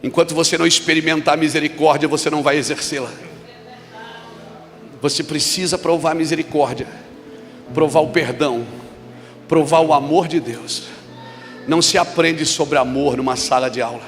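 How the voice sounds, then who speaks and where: A man preaching at a church conference, telling a story and then shouting emphatic declarations to the congregation. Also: a little high, steady tone, normal speed, long pauses. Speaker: pastor. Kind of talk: sermon with storytelling. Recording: long reverb of a large hall with music.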